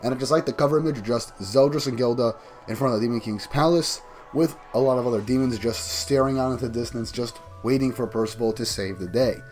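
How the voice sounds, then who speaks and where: A man fighting off a cold talks through a manga chapter, his voice a bit groggy and tired. He rambles eagerly and restarts his sentences as he goes. His pitch sits in the middle, and soft music plays quietly underneath. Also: fast. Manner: enthusiastic, rambling recap with restarts. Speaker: manga review YouTuber. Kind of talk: casual manga chapter review.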